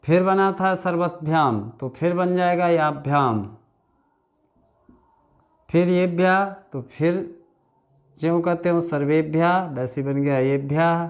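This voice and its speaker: A man teaching a grammar lesson, reciting word forms in a slow chant and talking to his students as children. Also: a little high. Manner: addresses students as children, frequent "thik".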